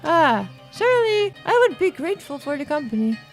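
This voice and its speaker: A woman plays a prim, long-suffering young lady in a visual novel. Her voice is very high, her phrasing formal and measured as she tells her tale. Faint music sits underneath. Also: very animated. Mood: earnest storytelling.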